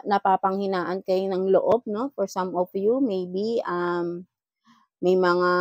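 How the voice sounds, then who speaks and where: A woman gives a casual tarot reading in a mid-pitched voice, recorded dry and close. She talks in a chatty, advising way, often tagging her phrases with a little question. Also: darkish tone, dry recording. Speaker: tarot reader.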